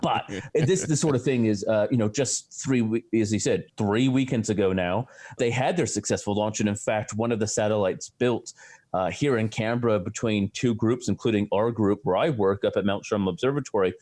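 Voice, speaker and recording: A man's voice: fairly low pitch, moderate pace, darkish tone. An American man co-hosting a science show, explaining in a chatty way with many restarts and fillers. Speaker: astrophysicist co-host. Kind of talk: casual science chat.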